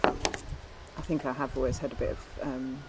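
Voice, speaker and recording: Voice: medium pitch, steady tone, moderate pace, low-quality recording. A middle-aged person being interviewed outdoors in a village, speaking casually and hesitantly with many ums and restarts and light laughter.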